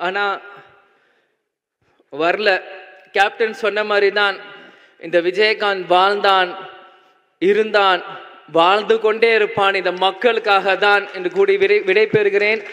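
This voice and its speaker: A young man giving a tearful, halting speech on a large indoor stage into a handheld mic. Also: high voice, a bit bright. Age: young adult. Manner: halting, choked up, restarts often. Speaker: speaker at a memorial gathering. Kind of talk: emotional public speech. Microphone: handheld mic on a stand. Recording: muffled sound in a long-reverb hall.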